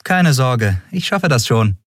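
A man voicing a young woman starship captain in an audiobook, brisk and breezy while she hides her nerves. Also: medium pitch, sing-song, husky, no room sound, clean studio sound, voice pushed up, exaggerated voice. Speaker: ship captain.

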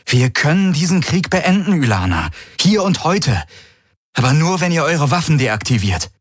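A desperate young man pleads for trust, his voice climbing high and tight with urgency, as a male narrator puts him on. The delivery is close and dry, with no room around it. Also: very animated, normal speed, breathy edge, no echo. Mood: pleading.

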